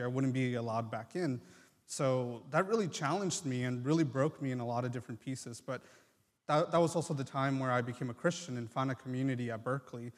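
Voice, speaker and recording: Speaking in a church sanctuary, a young man from Mexico in his twenties offers his personal testimony as a guest speaker; he's a medical student. He sounds earnest and reflective at a middle pitch, pausing often and saying um a lot.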